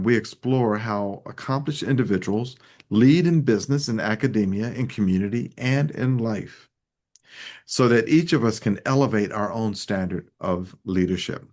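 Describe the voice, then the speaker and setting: A man hosting a leadership interview show, opening with a formal, measured scripted introduction. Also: lowish voice, darkish tone. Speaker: show host.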